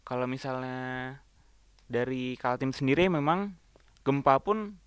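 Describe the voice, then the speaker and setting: A young man from East Kalimantan, a guest in a casual chat, relaxed and quick to laugh. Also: medium pitch, clear, resonant tone, no echo. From East Kalimantan, Indonesia. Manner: relaxed, laughs often, acts out quoted speech.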